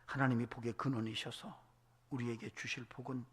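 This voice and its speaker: A man preaching a sermon as a pastor, telling a story in hushed whispers and building to impassioned, shouted exhortation. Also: medium pitch, level tone, brisk, husky. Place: church sanctuary.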